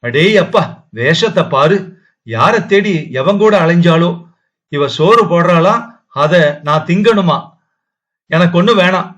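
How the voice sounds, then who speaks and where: A man's voice: sits high, animated, moderate pace, fairly bright tone, pitched above the performer's own voice. A man doing a slurring drunk rickshaw man. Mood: mocking drunk. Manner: slurred, mocking speech. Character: drunk young rickshaw man, bitter and mocking. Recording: dull lo-fi audio.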